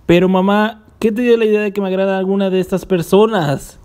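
A man's voice: high-pitched, fairly even intonation, a little fast, a little mellow, clear, resonant tone, close to an everyday voice. A man voicing a grumpy, sarcastic teenage hedgehog hero in a cartoon, sounding exasperated.

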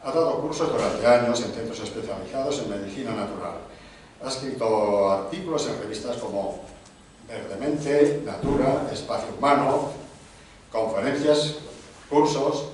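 A middle-aged man at a book launch introduces an author from a table microphone, listing her career item by item with small restarts. His voice sits at an ordinary middle pitch. It comes from a step back from the mic in a very echoey hall with a faint hum of noise. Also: a little mellow, distant mic. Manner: reads a long biography in measured lists, with small hesitations and restarts. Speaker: event host presenting an author. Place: large conference room, seated at a panel table.

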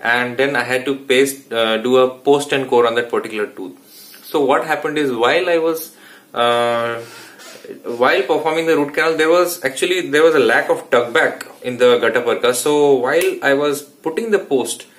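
An Indian man in his thirties talks through clinical steps in a plain, mid-pitched voice. He explains as a dentist in an informal teaching vlog, often restarting his sentences. He is recorded close up in a small clinic room. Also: moderate pace, fairly bright tone. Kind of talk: instructional vlog.

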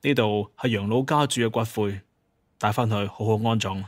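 A man playing a level-headed master hunter and clan leader in an audio drama, speaking in a measured, explanatory way. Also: lowish voice, dry recording, clean studio sound, natural voice. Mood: calm, reasoning.

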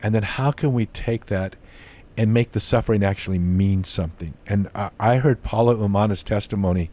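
An older man with a lowish voice hosts an interview show from his book-lined home study. He speaks earnestly into a close studio mic, often stumbling and restarting his sentences. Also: warm tone. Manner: earnest, halting with frequent restarts. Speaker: host. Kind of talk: podcast interview. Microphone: studio mic on boom arm, headphones.

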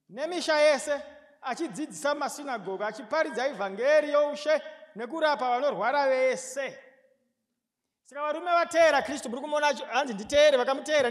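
A man in his thirties with a Zimbabwean accent, preaching a lively sermon from a podium microphone in a large hall, rising to emphatic shouts and asking the congregation questions. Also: very high voice. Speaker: pastor. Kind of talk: sermon mixing Shona and English. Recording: reverberant hall sound.

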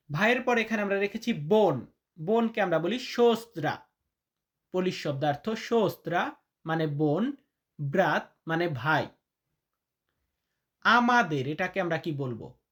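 A man teaching vocabulary in a lesson, repeating each word slowly and deliberately, chatty and calling his listeners brother. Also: high voice, a bit bright. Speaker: language teacher.

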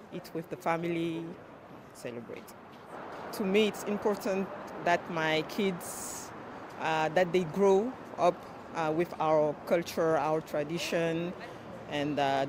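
Woman from west africa, super slow and earnest, kinda high, lots of noise around. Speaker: interviewee at a celebration. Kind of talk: street interview. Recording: noisy outdoor field recording.

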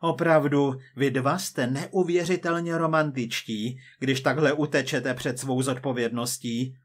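A man voicing a cold, persistent male agent from the future, measured and quietly menacing. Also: mid-range voice, steady tone, close to an everyday voice.

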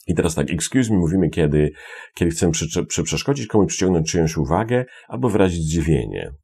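A man's voice: low-pitched, big pitch swings, a little fast, gravelly, mellow, slightly rough. A man from Poland teaching English phrases in an online lesson. He repeats words and explains with many fillers.

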